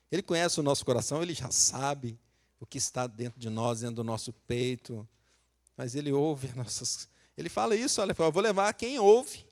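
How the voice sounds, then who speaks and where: A Brazilian man from Minas Gerais preaching a sermon as pastor, talking conversationally, asking the congregation questions and acting out quotes. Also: medium pitch. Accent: Brazilian Portuguese, Minas Gerais.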